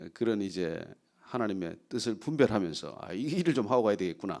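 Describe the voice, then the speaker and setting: Using an ordinary speaking voice, a man talks at a fairly quick pace and fairly low pitch, with lively intonation and big swings in loudness. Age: 60s. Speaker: pastor. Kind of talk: sermon.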